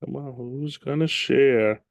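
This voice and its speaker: A man teaching an online class as a real estate trainer, his voice slightly raspy from much teaching, chatty and relaxed with many ums. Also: mid-range voice, slow, dry recording. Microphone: video call.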